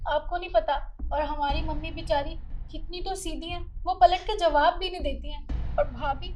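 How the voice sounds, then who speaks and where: A woman's voice: extremely high pitch, slight background noise. A woman playing a spiteful young sister-in-law. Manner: sharp, taunting. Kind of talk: Hindi family drama acting.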